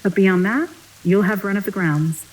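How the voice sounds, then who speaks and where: An actress playing a poised, diplomatic agent of a mysterious prison manor, formal and controlled, in an audio drama. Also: female voice, medium pitch, normal speed, lightly acted, rough recording. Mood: placating.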